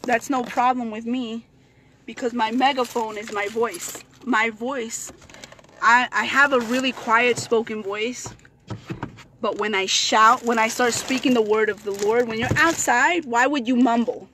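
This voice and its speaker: A woman's voice: a little high, steady tone, measured pace, pushed and bright, a little hiss or hum. A woman in her thirties talking into a phone held at arm's length inside a parked car, fervently addressing her viewers and repeating praise like a street evangelist. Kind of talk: casual vlog, preachy exhortation.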